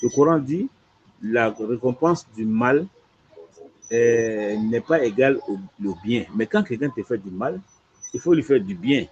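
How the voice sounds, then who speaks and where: A man's voice: medium pitch, a little slow, a little hiss or hum. A man, an imam, explaining a religious teaching in conversation, repeating points and checking "tu vois". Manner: lively, repetitive explaining with frequent "tu vois". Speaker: imam answering questions. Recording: dull lo-fi audio.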